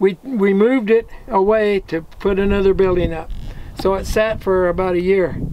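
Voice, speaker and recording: Over light background noise, a man with a high voice talks at a fairly slow pace. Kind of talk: explanation to interviewer. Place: open country.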